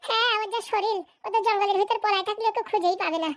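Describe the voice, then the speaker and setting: Bossy cartoon village madam, scheming n boastful, super high and fast, dry close sound. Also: fairly even intonation, a bit bright, no echo. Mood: dismissive, scheming. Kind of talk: exaggerated cartoon comedy dialogue.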